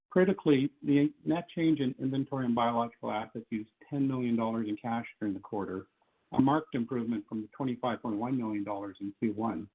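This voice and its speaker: A man reading prepared financial remarks on an earnings call in a formal, measured manner, as a company executive. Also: mid-range voice, slightly rough. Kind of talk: scripted earnings call presentation. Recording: muffled, tinny phone conference line.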